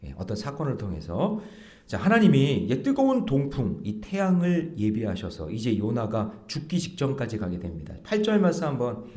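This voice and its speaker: In a church sanctuary, a middle-aged male pastor delivers an early-morning sermon in a lively, conversational style, acting out snippets of dialogue. He speaks at medium pitch and a normal speed.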